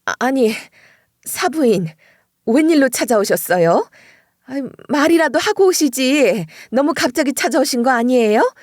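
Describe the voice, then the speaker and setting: A woman's voice: high voice, animated, moderate pace, no echo, clean studio sound, pitched above the performer's own voice. A woman voicing a scheming, sarcastic middle-aged mother-in-law who needles with false politeness.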